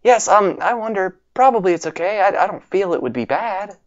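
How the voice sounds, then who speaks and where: A man doing a soft, timid young girl patient. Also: high-pitched, expressive, fairly quick, muffled recording, pitched above the performer's own voice. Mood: timid, polite. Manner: soft, hesitant and polite. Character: young woman, frail gentle hospital patient.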